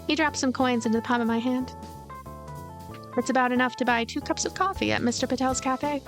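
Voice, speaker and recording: A woman reading a visual novel aloud and adding her own gentle commentary. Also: high voice, a little fast. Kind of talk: voiced game narration and commentary. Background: game music.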